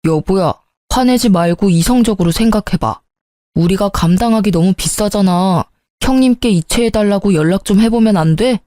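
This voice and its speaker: A woman's voice: medium pitch, moderate pace, dark tone, dry recording, clean studio sound, close to an everyday voice. A woman voicing a petty, stubborn young husband in a storybook drama, speaking in a whiny, pleading way.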